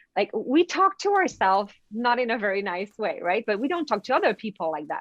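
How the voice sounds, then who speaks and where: A woman with a Quebec accent talks at a fairly quick pace and fairly high pitch, making very wide pitch swings, in a dry, close sound with no echo. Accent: French Canadian accent in English. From Quebec, Canada. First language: French. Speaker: motivational speaker and author. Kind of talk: interview storytelling.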